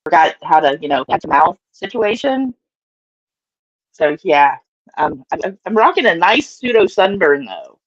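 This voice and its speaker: A woman's voice: lowish voice, big pitch swings, a little slow, slightly rough, no echo. A woman chatting casually on a video call through a headset, her audio choppy and breaking up. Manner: chatty, laughs easily. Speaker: co-host on a live video call. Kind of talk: casual chat. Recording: dull, muffled call audio.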